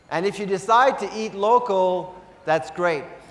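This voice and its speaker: A man with a Quebec accent speaks at a high pitch and a fairly slow pace, with ordinary pitch variation. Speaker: keynote speaker, food author. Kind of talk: dinner keynote speech.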